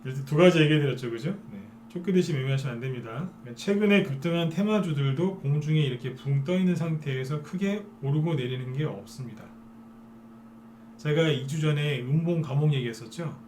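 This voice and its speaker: A man's voice: on the high side, fairly quick, darkish tone, slight background noise. A man giving a live stock trading lecture as a broadcaster, persuading viewers and often asking them to agree.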